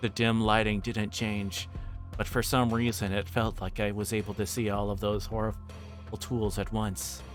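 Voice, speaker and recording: A man with a fairly low voice speaks at a moderate pace in a flat delivery. On his livestream he reads a visual novel's story aloud dramatically, with casual chat in between and game music in the background.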